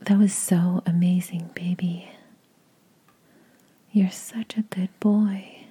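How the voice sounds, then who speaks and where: Woman whispering right up on the mic, super breathy, dark mellow tone, takes her time. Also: lowish voice, level tone. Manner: slow breathy whisper, coaxing and commanding. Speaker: adult audio performer. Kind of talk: intimate whispered audio roleplay.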